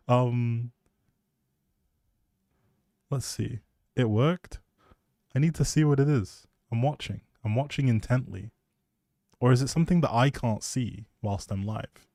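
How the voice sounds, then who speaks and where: Chatting back to his viewers on a game livestream, this young adult streamer and audio creator is loose, playful and full of jokes. He speaks slowly with long pauses, his mellow voice at a medium pitch, captured clean in the studio without echo.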